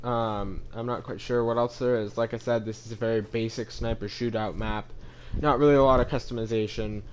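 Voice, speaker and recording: A young man talks through a voice changer that pulls his voice lower, walking through a game map in a loose, rambling way. He keeps hesitating and correcting himself mid-sentence. His pitch sits in an ordinary middle range under the effect, with faint background noise. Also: steady tone, brisk. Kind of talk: casual gameplay voice-over.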